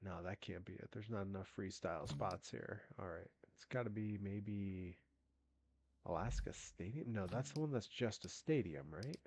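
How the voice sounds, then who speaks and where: A deep, somewhat mellow and slightly rough male voice at a moderate pace, recorded with no echo. He's a gaming streamer chatting casually on a live stream, rambling with lots of restarts and fillers. Allergies have him congested, so he sounds like he has a cold.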